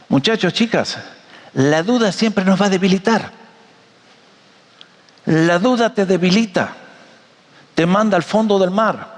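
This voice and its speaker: A man preaching a sermon, animated and joking, often asking his audience questions. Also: sits high, long reverb tail. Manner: animated, jokey storyteller, asks the audience questions.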